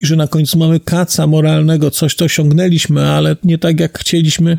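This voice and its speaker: A man speaks at a fairly quick pace with a fairly high pitch. He has an unremarkable speaking voice. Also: dry, close sound with no echo. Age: 50s. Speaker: podcast host, book reviewer. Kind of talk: solo book review monologue. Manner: formal.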